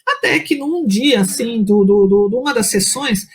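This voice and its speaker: A woman's voice: fairly high pitch, animated, moderate pace, breathy edge. A woman, a psychology professor, telling a story in a casual interview, chatty, full of fillers and restarts, acting out what people said. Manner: chatty, many fillers and restarts, acts out quoted speech.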